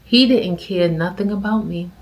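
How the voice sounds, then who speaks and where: A middle-aged woman talks straight to her viewers in a casual vlog. She comments on clips in an animated way and acts out the people in her stories. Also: fairly low pitch, normal speed. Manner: animated storytelling with acted quotes. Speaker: vlogger.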